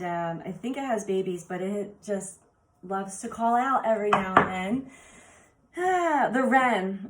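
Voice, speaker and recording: Raspy-voiced woman reading cards. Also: medium pitch, heavy background noise. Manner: enthusiastic, exclaiming over the cards; soft, meandering with fillers. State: raspy from laryngitis. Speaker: card reader. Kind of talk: oracle card reading for viewers.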